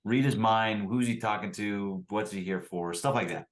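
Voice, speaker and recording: A man's voice: lowish voice, moderate pace. A man talking casually as a player in a tabletop role-playing game.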